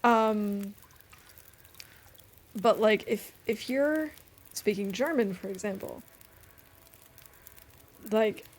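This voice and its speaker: A woman's voice: mid-range voice, drawn-out words, pauses often. A woman streaming a game, chatting casually and thinking aloud with frequent fillers. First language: English. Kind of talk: casual gaming stream chat.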